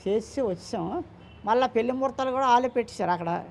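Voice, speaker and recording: A man's voice: very high-pitched, fast, gravelly, slight background noise. An older man answering interview questions about his son, speaking emphatically and often repeating himself or quoting what others said. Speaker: interviewee, the father of a man in the news.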